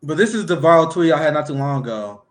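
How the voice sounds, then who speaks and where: Fast, animated, Midwestern accent, man, casual livestream talk. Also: fairly high pitch. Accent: Midwestern American. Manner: fast, excitable talker. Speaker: livestream host.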